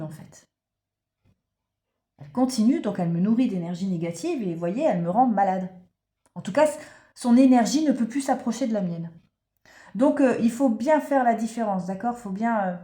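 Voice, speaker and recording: A woman with a sore throat and a stuffy cold talks her viewers through an oracle card reading, loose and chatty, full of little fillers and asides. Her tone is mellow and soft-edged. The room around her sounds echoey. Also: mid-range voice. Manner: chatty, many fillers, addresses viewers directly. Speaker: spiritual card reader. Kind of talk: casual spiritual reading to viewers.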